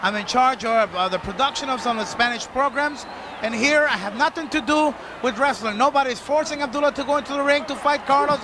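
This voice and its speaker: Male lucha libre announcer, very high voice, emphatic and dramatic delivery, noisy crowded arena recording. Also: a little fast. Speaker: wrestling commentator and show host. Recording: noisy archival arena broadcast, crowd behind. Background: loud wrestling crowd.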